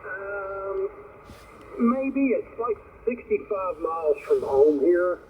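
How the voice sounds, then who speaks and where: A man's voice: sits high, slow pace, phone-quality sound. A man chatting casually as an amateur radio operator, heard through a shortwave radio link. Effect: received over HF amateur radio. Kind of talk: casual two-way radio chat. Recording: noisy, band-limited shortwave radio reception.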